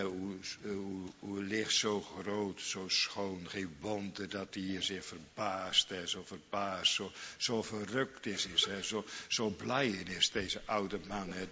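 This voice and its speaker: A low-voiced man preaches with great fervour, stretching out every phrase at a very slow pace. His bright tone rings through a long church reverb. The recording is slightly muffled and has a faint background hiss. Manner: fervent, repetitive, lingering on each phrase. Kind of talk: sermon.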